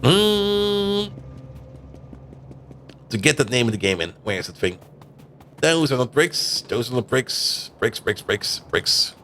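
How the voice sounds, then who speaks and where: A man's voice: medium pitch, very animated, slow, pauses often, a bit bright, slight background noise. A man from Germany whose first language is Dutch, chatting casually on a live gaming stream and laughing often between remarks. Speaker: game streamer.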